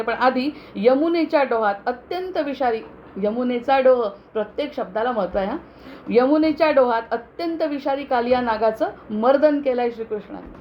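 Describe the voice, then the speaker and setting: Woman speaker, high voice, slow devotional chanting and teaching talk, slightly dull recording with faint hiss. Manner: slow measured chanting of Sanskrit verses; explanatory, self-correcting talk with fillers. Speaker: spiritual discourse speaker. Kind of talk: devotional chanting then spiritual discourse.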